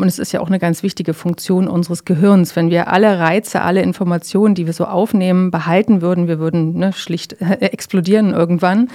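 Give me a calm woman with a mellow voice explaining things patiently in an interview. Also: fairly low pitch. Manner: calm, explanatory, frequent fillers and tag questions.

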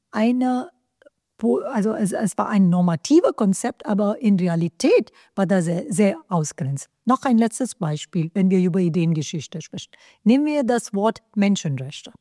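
A woman's voice: mid-range voice, animated, unhurried, warm tone, dry recording, clean studio sound. Woman speaking German, Hindi native. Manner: earnest, explanatory, with hesitations and self-corrections. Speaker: professor of political theory. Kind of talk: academic interview answer.

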